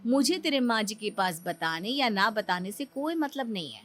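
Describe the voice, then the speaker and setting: A woman voicing a sensible young elder daughter-in-law in a Hindi cartoon, who talks in a calm, reasoning way. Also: mid-range voice, moderate pace, lightly acted. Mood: firm.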